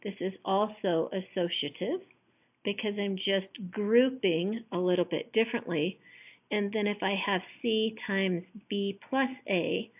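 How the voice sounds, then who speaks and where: A hoarse woman teacher patiently explaining matrix math step by step in a recorded lesson. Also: mid-range voice. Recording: tinny phone-like audio.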